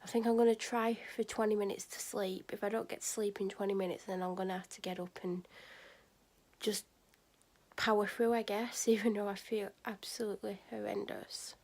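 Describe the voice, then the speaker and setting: Exhausted, husky woman. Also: mid-range voice, fairly even intonation, normal speed, darkish tone. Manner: tired, rambling, many "like" fillers. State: sick, exhausted, sore throat. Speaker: vlogger. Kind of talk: casual vlog chat. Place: bedroom at night, then out by a shop.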